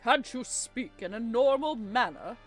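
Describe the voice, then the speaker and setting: A woman's voice: a little high, lively intonation. Woman playing a formal, stern courtroom judge. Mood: puzzled, formal. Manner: formal, measured, authoritative. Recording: game music behind the voice.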